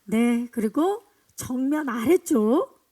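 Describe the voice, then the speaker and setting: A woman's voice: high-pitched, animated, slow pace, dark tone. A woman hosting a press screening, cheerfully guiding guests through photo poses and introductions. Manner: upbeat, directing photo poses. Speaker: event host. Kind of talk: press event emcee.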